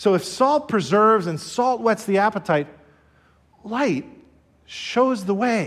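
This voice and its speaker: In an American accent, a man speaks very slowly at a high pitch, leaving long, frequent pauses. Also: lively intonation. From New Jersey, Somerset County. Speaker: pastor. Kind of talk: sermon.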